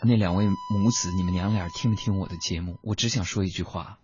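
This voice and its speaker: A man's voice: low voice, fairly even intonation, brisk. A young man hosting a radio show, telling comic stories about his family in a playful voice and acting out their voices. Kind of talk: comic storytelling monologue. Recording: dull lo-fi radio recording with music.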